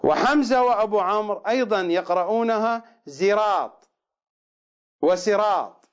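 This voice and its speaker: A man lecturing on readings of scripture, drawing out each recited word slowly and then rushing through his asides. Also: sits high, clear, resonant tone, dull audio. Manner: slow deliberate recitation of words, then quick asides. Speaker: religious lecturer.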